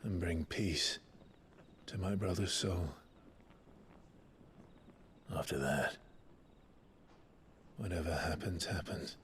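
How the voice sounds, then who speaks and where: An actor playing a brooding, vengeful young warrior in a video game. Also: male voice, low voice, takes it slowly, pauses often, a little hiss or hum. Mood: bitter, grieving. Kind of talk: cinematic game cutscene acting.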